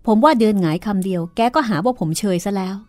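A woman's voice: mid-range voice, expressive, fast talker, a little mellow, soft background music, lightly acted. A woman voicing a stubborn but earnest young man who pleads politely. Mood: defensive.

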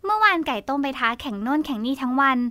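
A woman's voice: high-pitched, quick pace, no room sound. A woman voicing a curious, caring young girl who chats expressively in a children's audio drama. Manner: bright, chatty, expressive.

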